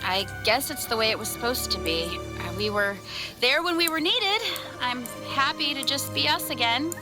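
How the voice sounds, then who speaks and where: High-voiced superheroine wife. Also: female voice, expressive, normal speed, music in the background. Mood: content. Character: caring, upbeat ordinary wife turned superheroine. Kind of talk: audio drama acting.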